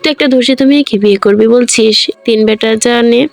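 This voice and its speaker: A woman's voice: fairly high pitch, fairly quick, vocal fry. A woman reading the lines of a blunt, coarse young man who scolds his companion. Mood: hushed.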